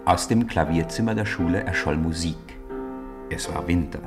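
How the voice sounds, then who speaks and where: A man narrating a German children's radio play as an expressive, deliberate storyteller. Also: sits low, over music.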